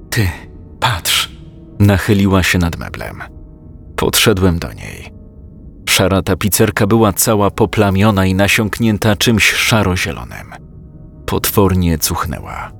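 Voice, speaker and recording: A man calmly narrating a first-person story, voicing the dialogue himself. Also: low-pitched, vocal fry. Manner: calm, measured storytelling with quoted dialogue.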